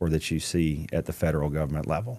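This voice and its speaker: A man with a South Carolina accent talks in a dark, mellow tone and fairly even intonation against a quiet background. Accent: South Carolina Southern. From US South. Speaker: county council chairman, navy veteran. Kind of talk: casual interview chat.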